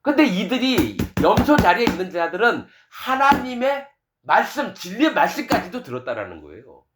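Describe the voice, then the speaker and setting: A middle-aged male pastor preaching a sermon emphatically, rising to loud peaks and dropping to low, quiet passages, and reading scripture slowly and solemnly. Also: wildly swooping pitch, slight background noise.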